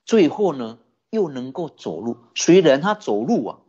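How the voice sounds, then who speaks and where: A Buddhist dharma teacher telling a story in a sermon, animated, often asking the listeners questions. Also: mid-range voice, normal speed, husky, lo-fi sound. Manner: animated, many rhetorical questions to the audience.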